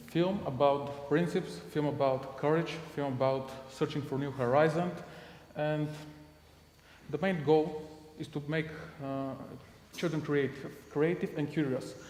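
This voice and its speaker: This man has a fairly high pitch and a Bulgarian accent, speaking at a fairly slow pace. He leaves long, frequent pauses, and the room echo is audible. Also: fairly even intonation. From Bulgaria, Sofia. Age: 20s. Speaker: filmmaker. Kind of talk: project pitch presentation. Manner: halting, frequent self-corrections.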